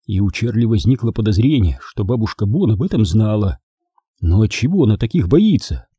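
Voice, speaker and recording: A man narrating a storybook with expressive, lively intonation. His voice is very dark and husky. It is recorded close and dry, with no room sound. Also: fairly low pitch, fairly quick, no echo. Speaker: audiobook reader. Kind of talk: scripted narration.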